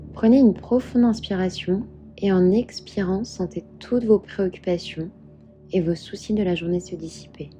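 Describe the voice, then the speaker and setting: A woman guiding a meditation as a yoga instructor, calm and soothing, giving measured instructions. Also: medium pitch. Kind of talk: guided meditation narration. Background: soft background music.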